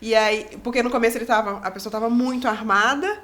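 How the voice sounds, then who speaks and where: Woman, podcast host, slightly high-pitched, conversational anecdotes. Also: quick pace, a bit bright. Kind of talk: casual podcast interview.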